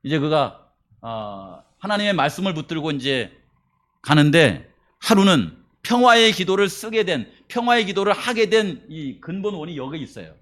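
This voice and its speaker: A male pastor preaching a sermon, telling a story with acted-out quotes and questions put to his congregation, swinging between quiet murmurs and raised emphasis. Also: a little high, big pitch swings, moderate pace.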